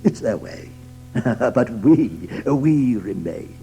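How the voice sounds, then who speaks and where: Children's audio drama: older male badger, gravelly, animated, hospitable, given to chuckles and repeated phrases. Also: mid-range voice, extremely slow, soft background music, heavily acted. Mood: reflective, storytelling. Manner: hesitant, chuckling, repeats his words.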